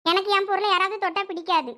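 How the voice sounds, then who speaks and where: A woman's voice: extremely high pitch, steady tone, fast talker, sharp tone. A woman with a Thoothukudi Tamil accent acting in a village comedy sketch, giving sulky, curt answers. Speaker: comedy skit actor.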